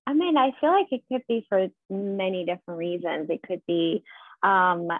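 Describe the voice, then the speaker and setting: A woman's voice: medium pitch, normal speed, no echo. A woman in her thirties from Iran with a Persian accent, answering conversationally as a therapist guest on a podcast. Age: 30s. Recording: thin phone-like sound.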